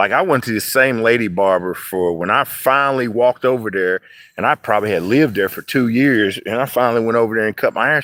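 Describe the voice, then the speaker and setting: A man with a medium pitch and a bright, sharp tone is heard in a very clean recording with a silent background and a dry, close sound with no echo. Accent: Southern US. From US South, Memphis, Tennessee. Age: 50s. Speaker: vlogger. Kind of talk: casual live stream vlog. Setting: outdoors in the woods. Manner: casual, rambling conversational.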